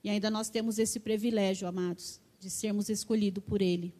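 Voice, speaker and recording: A woman's voice: mid-range voice, fairly even intonation, brisk, dark tone. A middle-aged woman with a Brazilian accent, preaching a sermon with fervent personal testimony, often tagging her sentences with "né". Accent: Brazilian Portuguese.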